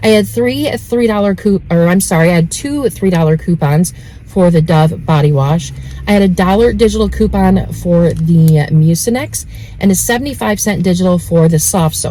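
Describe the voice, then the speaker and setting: A woman speaks at a moderate pace with very even loudness. Noticeable background noise sits behind her. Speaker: couponing vlogger. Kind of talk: haul video tutorial. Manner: animated.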